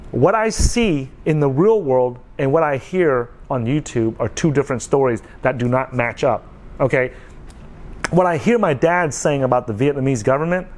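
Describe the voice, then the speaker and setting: A man in his forties talking casually to his viewers, earnest and repetitive, often checking in with "okay.". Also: medium pitch. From United States. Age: 40s. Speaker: vlogger. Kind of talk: casual talk to camera.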